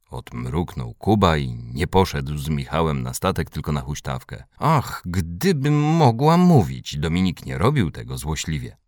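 Very deep-voiced man reading a children's story. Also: no echo, studio quality. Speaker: audiobook reader.

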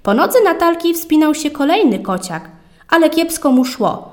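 A woman with a slightly high voice reads a children's story aloud. Her tone is calm and expressive, in the even rhythm of scripted storybook narration. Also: normal speed.

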